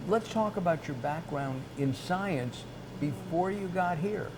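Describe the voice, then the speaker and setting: A man hosting an interview, speaking haltingly and often restarting his words. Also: fairly high pitch. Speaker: interview host. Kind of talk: casual interview. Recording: noisy background.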